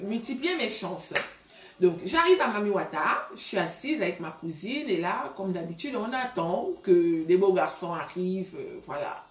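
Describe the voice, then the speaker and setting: A woman's voice: medium pitch, slight background noise. A woman in her thirties from Gabon, casually telling a story to her viewers with lots of fillers. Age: 30s. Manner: chatty, many fillers, addresses viewers directly. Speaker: vlogger giving relationship advice. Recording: echoey room.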